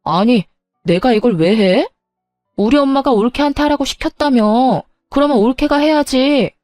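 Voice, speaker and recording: Woman playing a spoiled sister-in-law, entitled and pushy, a little higher, dry close sound. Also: normal speed, a little mellow, no echo, soft background music, close to an everyday voice. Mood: angry. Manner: entitled, whiny, demanding. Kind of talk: dramatized story voicing.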